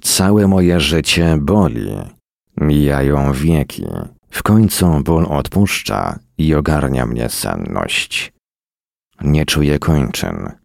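A man reading a first-person story in a weary, deadpan manner at a close mic. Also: a bass voice, slow, creaky, dry recording. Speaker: narrator.

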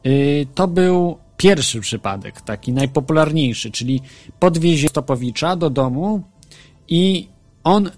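A man's voice: fairly high pitch, lively intonation, a little slow, a little mellow, no room sound. A man hosting an internet radio show, talking casually and hesitantly with frequent fillers and restarts. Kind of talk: casual radio talk with ghost stories. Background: faint music bed.

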